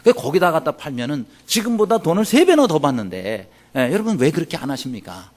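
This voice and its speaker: A man preaching a sermon, telling a story with lively acted-out dialogue. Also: on the high side, fairly quick. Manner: animated storyteller acting out quoted dialogue. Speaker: pastor.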